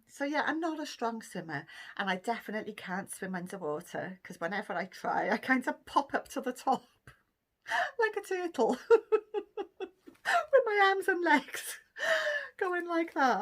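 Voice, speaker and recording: A woman's voice: a little high, wildly swooping pitch, normal speed, a bit bright. A middle-aged Welsh woman from Cardiff, chatting casually through a list of questions for her vlog, with frequent ums and laughter. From Cardiff, Wales. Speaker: vlogger. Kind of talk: casual chat answering a question tag.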